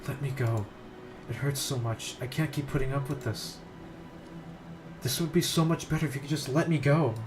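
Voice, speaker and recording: A man's voice: mid-range voice, normal speed, long pauses, pitched above the performer's own voice, close to an everyday voice. A man voicing a despairing teenage schoolgirl on a rooftop ledge, pleading and stumbling over the text, over background noise.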